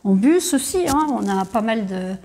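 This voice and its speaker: A woman's voice: a little high, animated, moderate pace, darkish tone. A woman speaking off the cuff in an interview as a tourist office manager, often searching for her words. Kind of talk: unscripted interview, presenting colleagues and local products.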